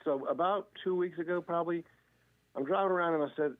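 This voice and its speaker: A man's voice: on the high side, fast talker, no echo, narrow, tinny audio. A middle-aged man calling into a radio show, telling stories casually with lots of fillers. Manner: rambling storyteller, many fillers. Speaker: guest on the show.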